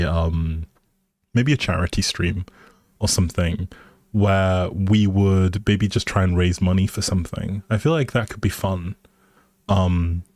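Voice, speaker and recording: A man's voice: sits low, a little mellow, no room sound. A man hosting a livestream, chatting casually and informally straight to his viewers. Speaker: livestream host.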